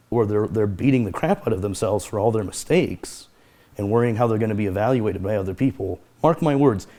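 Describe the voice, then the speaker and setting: Low, mellow-voiced man explaining calmly. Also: a little fast. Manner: earnest, explanatory, fond of repeating key phrases. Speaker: guest therapist. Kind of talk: conversational explanation.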